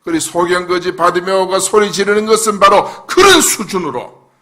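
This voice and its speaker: A male pastor preaching a fervent sermon, swinging between loud shouted prayers and low asides. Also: lively intonation, moderate pace, very noisy. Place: church sanctuary.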